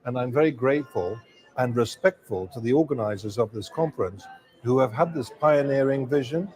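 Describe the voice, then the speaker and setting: A man's voice: mid-range voice, expressive, fairly quick, darkish tone, poor audio. A man giving courteous, formal remarks as a conference speaker. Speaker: former politician, conference speaker.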